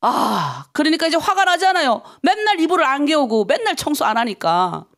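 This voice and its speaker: A middle-aged woman pastor delivers a dawn prayer sermon in a high-pitched voice. Her voice carries a gravelly, fry-laden edge. She preaches emphatically, mixing rhetorical questions with stories from her own life. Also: very animated, fairly quick, fairly bright tone.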